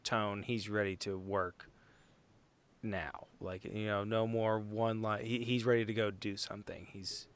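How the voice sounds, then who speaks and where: A man's voice: fairly low pitch, level tone, measured pace, clear, resonant tone. A man talking casually as a player in a tabletop game, in a tentative, roundabout way.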